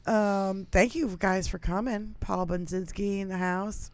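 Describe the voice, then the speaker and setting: A woman's voice: medium pitch, fairly even intonation, measured pace, darkish tone. A woman in her fifties co-hosting a live show, boisterous, laughing often and swearing freely. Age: 50s. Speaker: co-host. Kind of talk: loose live-stream banter.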